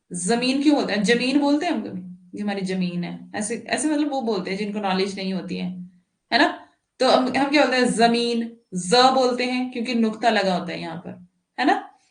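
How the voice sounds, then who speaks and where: Woman teacher, patient explainer who keeps checking in; slightly high voice, echoey room. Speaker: Hindi teacher. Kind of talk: online exam-prep lesson.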